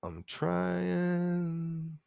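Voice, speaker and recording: A man in his forties with a Canadian accent, hosting a casual livestream in a rambling, halting way as he responds to viewers. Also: sits high, lively intonation, vocal fry, darkish tone, clean tone, no echo. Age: 40s. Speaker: livestream host. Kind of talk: casual live chat, reacting to viewer comments.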